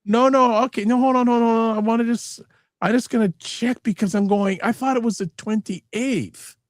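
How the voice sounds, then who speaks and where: A man's voice: very high voice, normal speed, dry recording, studio quality. A man hosting a live-streamed talk show, chatting casually and animatedly, often cutting himself off and joking. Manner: animated, self-interrupting, jokey. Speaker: host.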